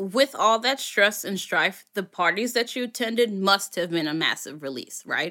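Bright and sharp in tone, a woman with an American accent speaks at a medium pitch. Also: moderate pace, hardly any pauses. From United States. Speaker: podcast host. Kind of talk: interview.

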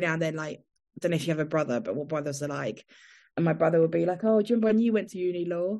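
Speaking very fast with an English accent, a woman uses a fairly low pitch and ordinary pitch variation against a quiet background. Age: 30s. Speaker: beauty journalist. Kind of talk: casual chat.

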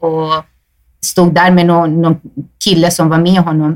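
A woman with a fairly low pitch and a Spanish accent. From Sweden. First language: Spanish (speaking Swedish). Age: 40s. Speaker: guest, cousin of host. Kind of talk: casual chat.

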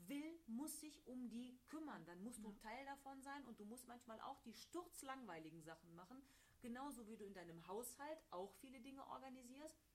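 A woman talks with lively intonation at a high pitch. Her pace is moderate. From Germany. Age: 50s. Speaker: former TV news presenter and ministry official. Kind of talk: interview.

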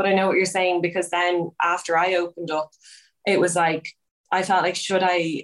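A woman's fairly quick speech in an Irish accent, medium in pitch with monotone, flat intonation. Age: 30s. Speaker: model and social media personality. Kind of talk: casual interview. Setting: video call.

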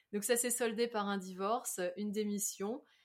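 A woman speaks at a medium pitch with an unremarkable speaking voice. Her pace is fairly slow. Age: 30s. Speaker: explorer and writer. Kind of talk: interview.

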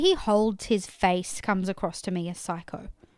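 A woman talks with an Australian accent. Her pace is moderate. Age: 20s. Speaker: podcast co-host, performer. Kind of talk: casual chat. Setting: home recording.

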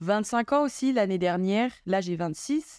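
A woman's voice comes through in a very clean recording with a silent background, its sound dry and close with no echo. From Madagascar. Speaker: entrepreneur. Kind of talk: casual chat.

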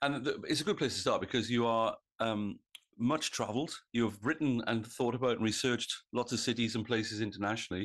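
A man with a Welsh accent at medium pitch, fairly quick pace and very even loudness, against a quiet background. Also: fairly even intonation. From Wales. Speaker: podcast host, urban policy practice lead. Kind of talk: interview conversation. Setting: remote call. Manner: hesitant, many fillers.

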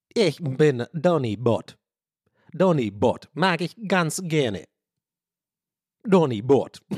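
A man's robotic, put-on character voice, fairly high, with lively intonation, a very slow pace and long, frequent pauses

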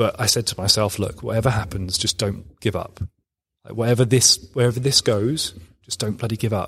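Over a silent background on a very clean recording, a man sounds somewhat breathy as he talks at a fairly quick pace with fairly even intonation. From England, East London. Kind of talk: interview conversation. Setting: quiet large room at an outdoor show, slight echo.

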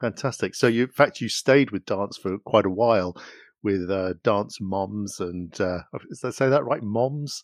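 With a British accent, a man talks at a fairly slow pace in a fairly low pitch, on a very clean recording with a silent background and a dry, close sound with no echo. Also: ordinary pitch variation. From UK. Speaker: TV format creator and podcast host. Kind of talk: casual chat.

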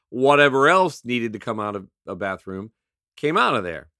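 On a very clean recording with a silent background, a man talks at a fairly quick pace in a bright, sharp tone. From Maryland, US. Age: 60s. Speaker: radio show host and musician. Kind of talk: personal reflective monologue. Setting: on the road, away from studio. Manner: halting, with repetitions.

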